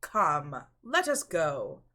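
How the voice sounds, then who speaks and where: A woman voicing an excitable, boastful drunken Italian nobleman in a storybook read-aloud, exclaiming and insisting. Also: low-pitched, drawn-out words, exaggerated voice. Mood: impatient, insistent.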